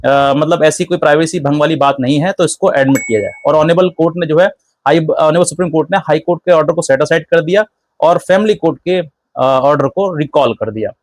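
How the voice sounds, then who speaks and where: A man's voice: a little high, fairly quick. A man hosting an informal legal explainer, going step by step, often rephrasing himself and dropping in English legal terms. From India. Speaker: legal advice channel host.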